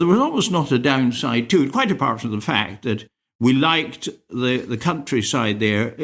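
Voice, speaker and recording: Here a man speaks with a Scottish accent. His pitch swings very widely. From northern Scotland. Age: 80s+. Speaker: retired vet and businessman, guest. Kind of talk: casual interview chat.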